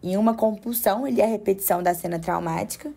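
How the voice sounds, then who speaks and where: A woman giving measured, explanatory commentary as a podcast co-host, often tagging her points with questions. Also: mid-range voice, creaky, mellow.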